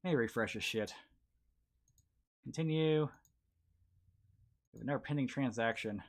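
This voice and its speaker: A stream host drifts through a relaxed chat, reading things aloud and trailing off mid-thought. The voice sits in a middling register, with clicking heard in the background. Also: mid-range voice, moderate pace. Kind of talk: casual chat.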